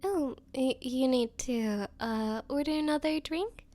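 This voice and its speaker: Woman acting a high-voiced, clingy yandere girlfriend. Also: a little slow, mellow. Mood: nervous, clingy. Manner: nervous giggling, stammering, pleading. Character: obsessive, clingy yandere woman on a first date. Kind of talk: ASMR audio roleplay.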